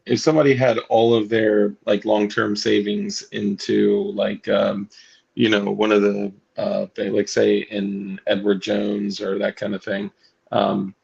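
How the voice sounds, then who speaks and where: A man with a raspy voice co-hosting a casual livestream, rambling and halting with lots of fillers. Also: fairly low pitch, darkish tone, lo-fi sound. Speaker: co-host.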